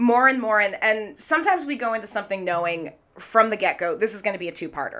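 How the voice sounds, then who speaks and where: A woman with an American accent talks at a very fast pace in a fairly high pitch, her bright, sharp tone carrying lively intonation on a very clean recording with a silent background. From US Pacific Northwest, Redmond near Seattle. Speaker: actor, paranormal podcaster and ghost tour guide. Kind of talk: casual interview chat.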